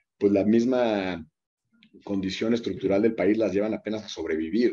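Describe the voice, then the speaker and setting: Against a quiet background, a man with a dark, mellow tone speaks with a Mexican accent. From Mexico. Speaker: economist and coach; coach. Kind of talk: interview conversation. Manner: halting, many repetitions and fillers. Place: home room. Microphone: video call.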